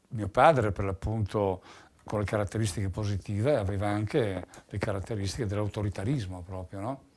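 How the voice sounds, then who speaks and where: This man talks at a fairly quick pace in a fairly low, somewhat breathy voice with ordinary pitch variation. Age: 60s. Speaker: former factory worker and trade union delegate. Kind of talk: oral history interview. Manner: halting.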